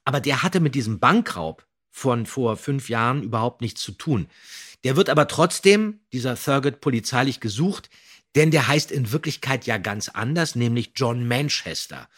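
Guy on a podcast explaining stuff casually, husky voice, middling pitch. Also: lively intonation, moderate pace, fairly bright tone. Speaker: podcast co-host. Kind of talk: casual discussion, retelling a plot.

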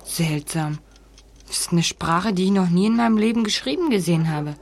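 A man's voice: high voice, moderate pace, vocal fry, a little hiss or hum. A young male actor playing a curious, puzzled teenage boy detective in an audio drama. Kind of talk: German audio drama acting.

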